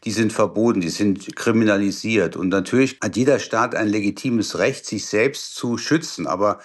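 A man speaks as an interview guest with a fairly low voice. He explains his points deliberately and pauses now and then to rephrase. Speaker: guest, law professor. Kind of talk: radio interview answers.

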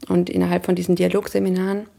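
A woman in her thirties from Germany, speaking thoughtfully in an interview, pausing and searching for words. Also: lowish voice, level tone, vocal fry, dark tone. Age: 30s. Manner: thoughtful, searching, pauses with hesitations. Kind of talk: reflective personal interview.

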